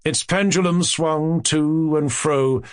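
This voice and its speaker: A man reading a classic horror tale as an audiobook narrator, in a measured, theatrical storytelling manner with careful phrasing. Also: on the high side, smooth, no room sound, studio quality. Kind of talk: dramatic literary horror narration.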